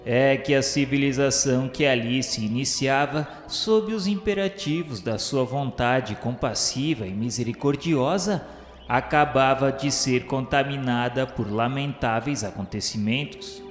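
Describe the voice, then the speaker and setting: A Brazilian man giving a formal, reverent scripted narration for a religious radio novela, in grand solemn phrasing. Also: mid-range voice. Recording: roomy long reverb, music behind. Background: music.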